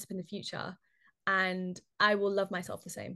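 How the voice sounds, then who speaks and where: A woman with a British accent talks at a fairly quick pace. The background is quiet. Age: 20s. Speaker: content creator. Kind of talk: interview conversation.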